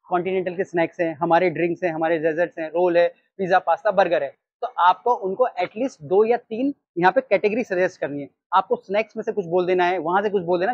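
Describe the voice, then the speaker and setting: A man in his thirties with an Indian accent, teaching restaurant staff how to take orders in an animated way. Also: sits high, breathy edge, dry recording, highs cut off. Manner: animated, gestures while reading from a sheet. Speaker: restaurant trainer. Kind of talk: training talk. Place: storefront of a small takeaway, outdoors. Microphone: lapel mic.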